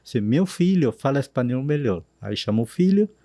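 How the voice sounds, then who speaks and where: A man with an Argentine accent tells his story in an interview, his Spanish showing through his Portuguese. His voice is mellow and soft-edged, recorded close and dry with no room around it. He speaks slowly, with lively lifts on the lines he quotes. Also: mid-range voice, no room sound. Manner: slow, animated retelling with Spanish words slipping in. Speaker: missionary guest.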